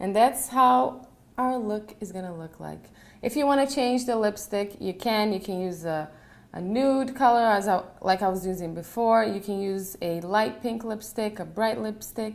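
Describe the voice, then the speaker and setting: Speaking in a Portuguese accent, a woman with a fairly high pitch and ordinary pitch variation keeps a moderate pace, with big swings in loudness. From Brazil. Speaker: makeup tutorial vlogger. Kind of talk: tutorial.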